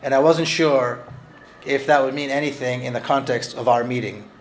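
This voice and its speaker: Man, author talking through his book, earnest and halting, mid-pitched voice. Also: steady tone, slight background noise. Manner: earnest, halting with frequent restarts. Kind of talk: conversational talk with read-aloud passages.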